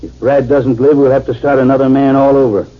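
An actor playing a weary, anxious Air Force general with grave authority and a husky voice in a 1950s radio drama. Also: male voice, medium pitch, steady tone, brisk, close to an everyday voice. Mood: grave, tired. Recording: dull lo-fi 1950s radio recording.

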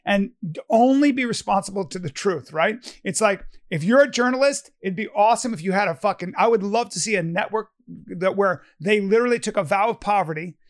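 A man's voice: high voice, a little fast. A man in his fifties co-hosting a casual podcast, arguing animatedly, cutting in with repeated "but wait" and swearing freely. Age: 50s. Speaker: podcast co-host. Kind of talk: casual debate chat.

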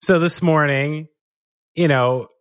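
A man's voice: a little high, takes it slowly, clear, resonant tone, dry recording, clean studio sound. A man with a New Jersey accent hosting a casual podcast chat, blunt and pointed, swearing freely. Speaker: podcast host.

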